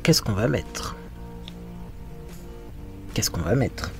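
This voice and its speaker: With music in the background, a man with a lowish, animated voice and vocal fry speaks very slowly. He's a makeup vlogger giving frank, casual get-ready-with-me commentary as he applies his makeup, thinking aloud a lot.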